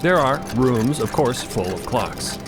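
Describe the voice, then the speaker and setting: Narrator: man, animated, expressive scripted storytelling, music clearly underneath. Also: medium pitch, takes it slowly. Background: music bed.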